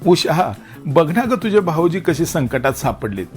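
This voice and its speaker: A man's voice: on the high side, very animated, a little slow, faint music behind, pitched above the performer's own voice. A man voicing an affectionate middle-aged mother who speaks hurriedly and fondly. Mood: urgent. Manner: urgent then doting.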